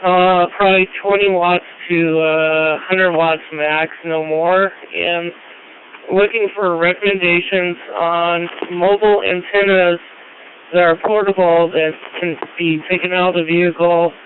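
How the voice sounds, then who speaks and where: A man calling in to an amateur radio net over two-way radio, speaking casually and haltingly. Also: high voice, little pitch movement. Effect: two-way radio transmission. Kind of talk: casual ham radio exchange. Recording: muffled radio signal with hiss.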